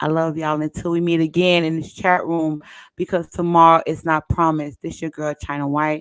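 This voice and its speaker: In a Southern US accent, a woman with a very deep, low pitch speaks with monotone, flat intonation, in a dry, close sound with no echo on a very clean recording with a silent background. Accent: Southern US accent, country. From South Florida. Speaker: livestreamer. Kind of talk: livestream monologue.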